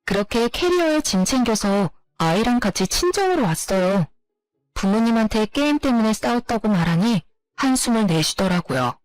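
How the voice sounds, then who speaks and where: A woman narrating her own story in the first person, with plain, steady storytelling and a complaining tone. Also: fairly high pitch, moderate pace, no echo.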